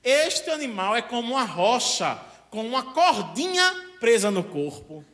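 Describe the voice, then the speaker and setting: A man's voice: very high-pitched, big pitch swings, a little slow, fairly bright tone, heavily acted. A man voicing an irritable blind old wise man who speaks with exasperated emphasis.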